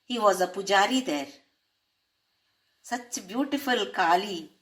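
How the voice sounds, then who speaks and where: A woman's voice: medium pitch, lively intonation, unhurried, a bit bright. A woman explaining a spiritual text, posing rhetorical questions and using Sanskrit terms. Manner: asks rhetorical questions to listeners. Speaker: spiritual teacher.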